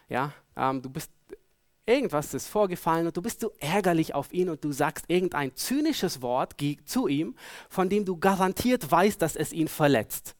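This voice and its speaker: Earnest German preacher, dry close sound. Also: male voice, fairly high pitch, no echo. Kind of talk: sermon.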